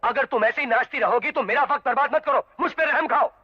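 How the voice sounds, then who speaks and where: A man's voice: very high voice, quick pace. An actor playing a brash, teasing young man who runs a dance school, mixing English into his talk. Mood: scolding. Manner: breezy, teasing, mixes English into speech. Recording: dull old film soundtrack with music.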